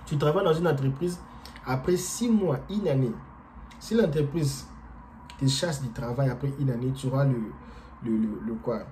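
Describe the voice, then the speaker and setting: Hesitant man with a very dark voice. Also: mid-range voice, slight background noise, rough recording. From DR Congo. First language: not French. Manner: hesitant, halting, frequent fillers and repeated words. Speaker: vlogger. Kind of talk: casual explanatory monologue.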